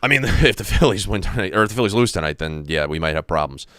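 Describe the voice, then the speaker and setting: Lively-voiced man, laid-back podcast co-host. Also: sits low, fast talker, dry recording, studio quality. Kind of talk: casual chat.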